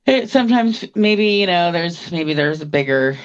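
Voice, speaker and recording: A woman co-hosting a podcast, telling rambling stories in relaxed casual chat. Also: fairly low pitch, normal speed, dull audio. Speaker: podcast co-host.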